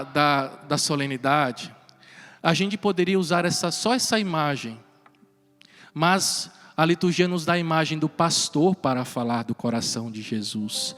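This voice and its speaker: A man, a priest telling a personal story in a sermon, animated and then hushed for tender moments. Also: high voice. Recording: reverberant church hall with faint music.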